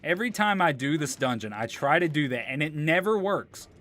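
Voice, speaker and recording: A man's voice: a little high, animated, brisk, sharp tone. A man live streaming a video game, giving casual, slangy commentary and chatting with viewers, with some swearing. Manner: slangy, profane, informal.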